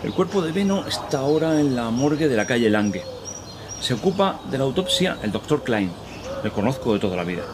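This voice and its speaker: A man playing a kindly, talkative park worker who speaks courteously and pauses to search for words. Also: mid-range voice, very animated, noisy background, lightly acted. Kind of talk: radio drama acting. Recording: outdoor park ambience with birds. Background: birds and outdoor ambience.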